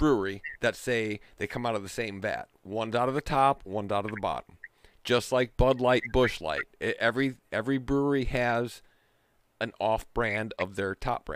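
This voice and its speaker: In a dry recording with no echo and a quiet background, a man with an American accent speaks at a moderate pace with ordinary pitch variation. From Milwaukee suburbs, Wisconsin; Wisconsin. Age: 40s. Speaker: podcast co-host and producer; podcast co-host. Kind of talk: casual chat. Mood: relaxed, joking. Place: home room. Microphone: studio mic.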